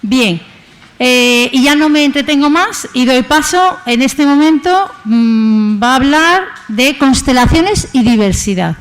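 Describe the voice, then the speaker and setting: Her voice sitting high and animated, this woman keeps a measured pace while hosting a conference opening for her association. She introduces the guest speaker chattily and ramblingly, leaning on tag questions, in a conference hall.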